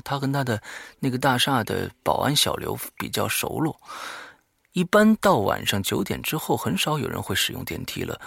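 A man's voice: medium pitch, vocal fry, a bit bright, slightly rough, dry recording, studio quality. A man hosting a horror audio show, reading a diary aloud dramatically and breaking off for offhand, muttered asides.

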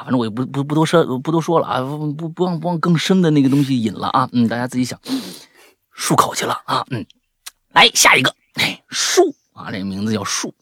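Animated male storyteller, wide swings. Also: on the high side, dry recording, studio quality. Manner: chatty, breaks off with jokey asides and laughs. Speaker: podcast host reading listener stories. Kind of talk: animated storytelling, dropping to hushed tones for eerie parts.

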